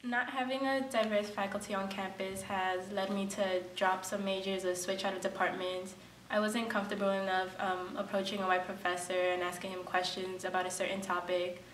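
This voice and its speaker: A woman's voice: medium pitch, level tone, normal speed. A young adult woman, a college student with a New York Latina accent, giving candid interview testimony. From New York, United States. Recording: roomy, distant mic, faint noise.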